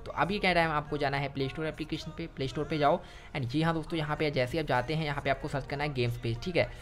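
A man's voice: a little high, steady tone, quick pace, fairly bright tone. A young man narrating a step-by-step phone tutorial, often addressing viewers informally and repeating himself. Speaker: tech tutorial YouTuber. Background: background music.

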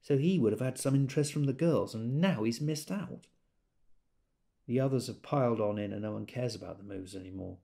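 A man's voice: mid-range voice, fairly quick, vocal fry, dark tone, lightly acted. An actor playing a wry gay man who tells of a party in an observant, dramatised literary monologue. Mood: reflective.

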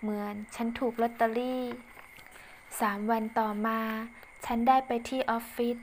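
A young woman narrates a first-person audio story at a very slow, deliberate pace. Her voice sits a little high and her telling is confiding and dramatic. A faint noise hangs behind the recording. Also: flat delivery.

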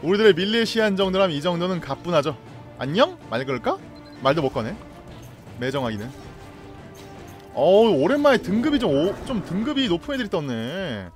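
A young man streaming a game live, reacting loudly, laughing and greeting viewers. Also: high voice, very animated, fairly quick, soft background music.

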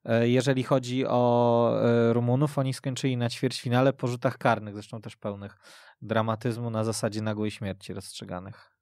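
A man's voice: mid-range voice, level tone, moderate pace, a little mellow, no room sound, studio quality. A man hosting a radio sports podcast, steering the talk and prompting his guests with questions. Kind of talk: casual sports discussion. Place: radio studio.

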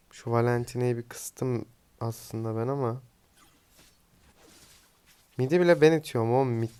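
Smooth-voiced young man chatting over gameplay. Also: medium pitch. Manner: chatty, teasing, swears casually at teammates. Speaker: gaming streamer. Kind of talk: casual live gameplay commentary.

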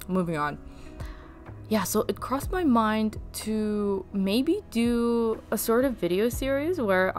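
A young woman whose first language is Russian talks in a relaxed, rambling way, full of fillers and little laughs. Her voice sits a bit low for a woman. Soft music plays faintly behind her. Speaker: art channel host. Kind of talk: casual voice-over while drawing.

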